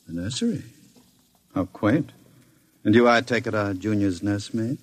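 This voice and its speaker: An actor playing a suave, menacing gangster in an old radio drama, smooth and sardonic, making unhurried threats. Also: male voice, fairly low pitch, animated. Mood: mocking. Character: suave menacing male gangster, calm and mocking. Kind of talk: 1950s radio drama acting. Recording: noisy old radio broadcast.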